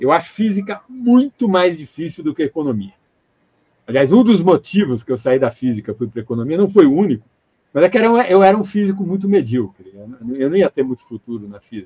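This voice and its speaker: A man with a dark, mellow tone talks at a fairly quick pace. His pitch swings very widely, his loudness shifts a lot, and the sound is dry and close with no echo. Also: fairly high pitch for a man, quiet background. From Brazil. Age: 60s. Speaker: economist. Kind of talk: interview.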